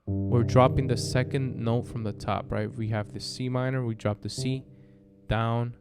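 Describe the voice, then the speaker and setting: A man giving a casual piano lesson, explaining step by step in a halting way with frequent check-ins. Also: medium pitch, little pitch movement. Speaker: piano tutor. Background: piano chords played alongside the voice.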